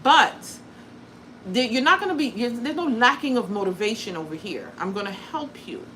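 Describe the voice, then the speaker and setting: A woman's voice: a little high, lively intonation, moderate pace, fairly bright tone, slight background noise, poor audio. A woman born in Guyana and raised in the US, hosting a casual crafting livestream, chatty and blunt, swearing freely and joking at her own expense. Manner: blunt and profane, chatty, self-deprecating. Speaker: crafting content creator and livestream host.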